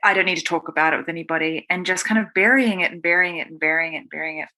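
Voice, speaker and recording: A woman's voice: on the low side, racing, pushed and bright. A woman with a New Zealand accent, telling her own story conversationally as an interview guest. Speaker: guest, writer.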